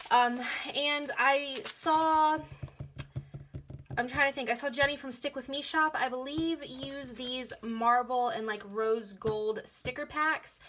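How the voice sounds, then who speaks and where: A young woman talks through a sticker haul in a bright, fairly high voice, gushing over each item and doubling up her words. She sounds a little hoarse from a lingering cold. A faint hiss sits under the recording. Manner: chatty, gushing, repeats words like "really, really". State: slightly hoarse from illness. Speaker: planner vlogger. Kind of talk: casual haul chat.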